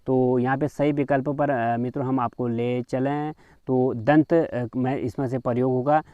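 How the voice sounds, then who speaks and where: A man's voice: mid-range voice, fairly even intonation, a little slow, smooth, no echo, highs cut off. A man teaching a grammar lesson in quiz form. He reads each question aloud and then explains the answer, with frequent fillers, calling his viewers friends.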